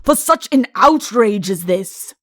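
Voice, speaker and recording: A woman's voice: mid-range voice, animated, slow pace, fairly bright tone, no echo, clean studio sound. A woman voicing a vain, vengeful king in a comic audiobook, curt and haughty with heavy, cold emphasis. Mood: cold outrage. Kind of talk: audiobook comic character acting.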